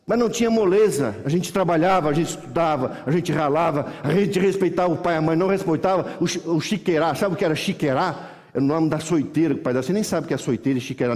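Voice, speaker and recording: A middle-aged male pastor, preaching a sermon in animated, folksy storytelling that acts out voices. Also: a little high. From Brazil. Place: church hall. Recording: reverberant church hall.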